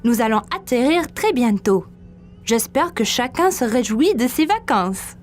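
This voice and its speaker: A woman's voice: a little high, big pitch swings, measured pace, over music. A woman voicing a friendly airline captain in a dubbed cartoon, polite and announcing. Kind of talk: French-dubbed cartoon acting.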